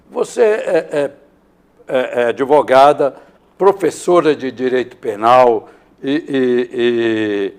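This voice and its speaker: A man from Maranhão hosting a live morning interview. He asks long, rambling questions full of fillers and restarts. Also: medium pitch. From Maranhão, Brazil. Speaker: host of a morning news show.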